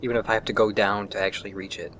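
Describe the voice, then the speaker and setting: A man's voice: on the low side, little pitch movement, rapid-fire, a bit bright, slight background noise. A man making dry, wisecracking remarks while co-commenting on a video game. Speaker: let's play co-commentator. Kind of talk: casual gameplay commentary.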